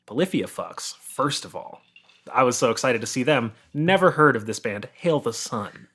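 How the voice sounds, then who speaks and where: A man's voice: medium pitch, expressive, normal speed, a bit bright, breathy edge. A young American man talking casually as a guest on a podcast. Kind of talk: casual chat.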